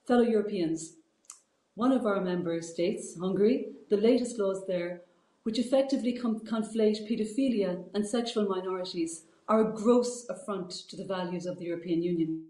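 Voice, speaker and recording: A woman's voice: medium pitch, normal speed, dark tone. A middle-aged woman with an Irish accent gives an earnest, formal prepared political speech over a video call. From Ireland. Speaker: regional representative and teacher. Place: indoor office, on a video call. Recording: echoey room over video-call link.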